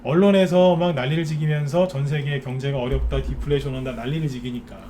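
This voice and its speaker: A man's voice: a little high, fairly even intonation, quick pace, dark tone, a little hiss or hum. A man giving a live stock market lecture, ranting bluntly and firing rhetorical questions at his viewers.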